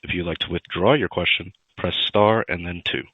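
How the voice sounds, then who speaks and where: A man with a very deep voice reads call instructions in a polite, formal announcer style. The sound is dry and close, yet dull and muffled. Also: normal speed, dry recording. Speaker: conference call operator.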